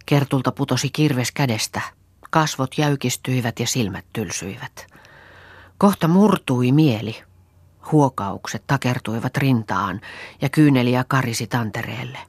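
A woman narrating an audiobook in a calm, measured reading. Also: a bass voice, slightly rough, no echo. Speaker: audiobook reader.

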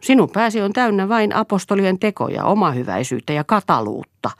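A bitter middle-aged husband who sneers and provokes, read by a woman in an audiobook. The voice sits low and is recorded close and dry, with no room sound. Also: sing-song, no echo. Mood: scornful.

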